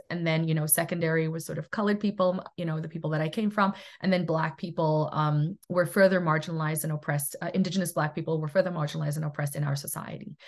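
A middle-aged woman from South Africa giving a recorded lecture from home over webcam, earnest and thoughtful, with many fillers and restarts. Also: lowish voice. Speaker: presenter in a university research toolkit.

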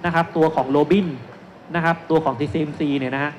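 A fast-talking man in his thirties with a slightly high voice and fairly even intonation presents at an investment seminar as a securities analyst on a panel. He uses a handheld mic on an indoor shopping mall expo stage, explaining step by step with many polite particles, over noisy live event sound.

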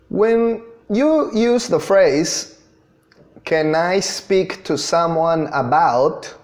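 A man in his thirties giving an online English grammar lesson in a deliberate, instructional manner, stressing key words. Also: high-pitched, darkish tone. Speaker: English teacher. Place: small indoor room.

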